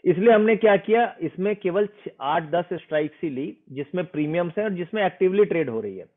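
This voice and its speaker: A man's voice: high-pitched, expressive, fairly quick. A man explaining a trading method in an interview, earnest and persuasive, slipping English phrases into his speech. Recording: tinny phone-like sound.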